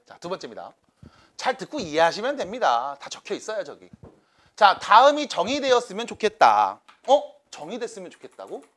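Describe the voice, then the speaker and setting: A man's voice: high voice, huge pitch swings, fairly quick, fairly bright tone. A man teaching a math class to students, coaxing and checking in with them by name.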